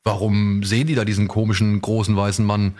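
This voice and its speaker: A man's voice: fairly low pitch, little pitch movement, fairly quick, darkish tone. A man hosting a podcast in casual chat, speaking enthusiastically in a rambling way and often correcting himself. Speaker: podcast host. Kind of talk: casual podcast chat about audio dramas.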